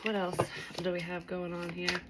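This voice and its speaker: Low voice woman doing tarot, nasally from allergies, rambly with lots of likes and ums. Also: completely flat delivery, moderate pace, heavy background noise. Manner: rambling, many fillers like "like" and "um". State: stuffy with allergies. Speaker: tarot reader. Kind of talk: casual tarot reading for viewers.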